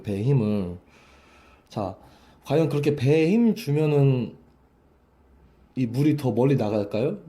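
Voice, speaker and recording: Male vocal coach, mellow voice, explanatory lesson, repeats himself a lot. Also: medium pitch. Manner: repeats and restarts phrases while explaining with a hose.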